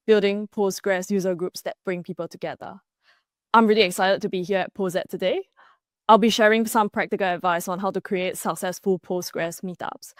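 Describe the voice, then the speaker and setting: A woman's voice: fairly low pitch, no echo, clean studio sound. A woman from Singapore in her thirties presenting a prepared conference talk with enthusiasm, with a few small restarts. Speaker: conference speaker.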